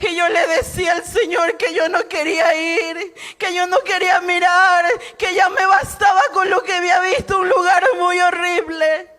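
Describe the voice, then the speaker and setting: A woman giving a fervent Christian testimony in a preaching style, shouting much of it and calling her listeners brother. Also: extremely high pitch, flat delivery, normal speed, few pauses.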